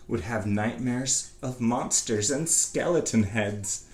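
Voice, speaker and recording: A man giving a dramatic reading of a rhyming storybook, with measured, theatrical phrasing and pauses. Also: mid-range voice. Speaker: storybook reader. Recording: echoey room, faint background noise.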